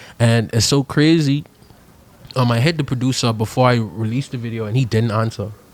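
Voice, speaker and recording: Speaking at a fairly quick pace with ordinary pitch variation, a man talks in a Bahamian accent. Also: medium pitch for a man. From Bahamas. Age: 20s. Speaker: singer and rapper. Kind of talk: casual interview. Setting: studio. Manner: soft-spoken.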